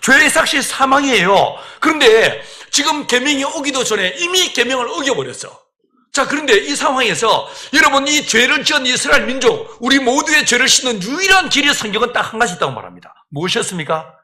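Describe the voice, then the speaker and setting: A male pastor from the Gyeongsang region with a Gyeongsang accent, preaching an animated sermon that acts out the dialogue of the story. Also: very high voice, fairly quick. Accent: Gyeongsang Korean. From Gyeongsang region, Korea.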